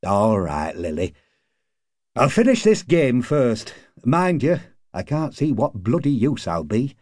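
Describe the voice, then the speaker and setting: A man's voice: medium pitch, very animated, slow, darkish tone, no echo, clean studio sound. A man voicing an irritable, cynical working-class card player in an audiobook, grumbling in colloquial, sweary speech. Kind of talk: audiobook character acting.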